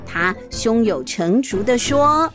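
Here a woman hosts and tells a children's story in a chatty style, breaking off to explain things with asides ending in sentence-final particles. She speaks slowly in a fairly high, animated, slightly bright voice, with faint music underneath.

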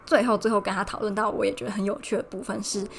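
A woman's voice: mid-range voice, fast talker, creaky, slight background noise. A young woman from Taiwan hosting a casual solo podcast, chatty and retelling conversations. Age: young adult. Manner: chatty, recounts dialogue with animated quoted voices. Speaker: podcast host. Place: Poland.

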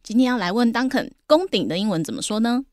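A woman's voice: fairly high pitch, lively intonation, quick pace, a little mellow, dry recording, studio quality. A woman hosting a casual language show, steering the talk with questions to her co-host. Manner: leads the talk with prompting questions. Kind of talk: casual teaching chat.

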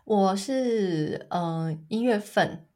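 A woman's voice: medium pitch, expressive, drawn-out words, dark tone. A woman in her thirties from Taiwan, co-hosting a casual podcast chat, telling stories and laughing often. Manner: chatty storyteller, laughs often. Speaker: podcast co-host.

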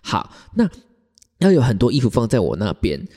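A man's voice: medium pitch, normal speed, slightly rough. A man, hosting a podcast and telling a story in casual chat, often laughing. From Taiwan. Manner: animated, laughs often, acts out quoted arguments. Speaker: podcast host. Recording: echoey room with long reverb.

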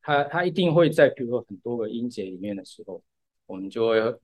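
A man talks through a music topic on a casual podcast. His voice sits at an ordinary middle pitch. He is patient and explanatory, and he leans on frequent filler words as he goes. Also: expressive, a little fast. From Taiwan. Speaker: podcast co-host.

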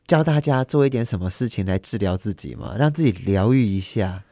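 A man's voice: lowish voice, sing-song, fairly quick, dark tone, no echo. A man with a Taiwanese accent hosting a casual radio interview, joking, interjecting and wandering playfully off topic. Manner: playful, joking, often interjecting and going off on tangents. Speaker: radio show host.

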